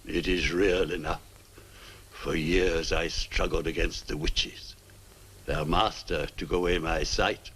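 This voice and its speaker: Weary old clergyman, low and husky, measured, grave, god-fearing; vintage horror film. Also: fairly even intonation, a bit bright, a little hiss or hum, full character voice. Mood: grave, foreboding. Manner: grave, solemn, formal. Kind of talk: 1960s horror film acting.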